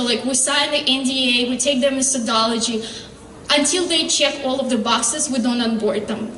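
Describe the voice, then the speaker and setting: A woman founder giving a startup pitch and answering questions, earnest and halting, with many fillers and restarts. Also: fairly bright tone, a little hiss or hum. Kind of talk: pitch presentation and Q&A. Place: convention hall stage. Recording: echoey hall, distant mic.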